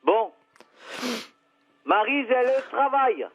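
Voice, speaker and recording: A man with a head cold speaks on a tinny phone line. His voice is fairly high for a man, and he sounds patient but strained as he repeats himself. The line sounds thin and narrow. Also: animated, slow pace. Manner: patient at first, increasingly exasperated. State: has a cold. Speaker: hair salon owner's husband. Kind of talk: phone conversation.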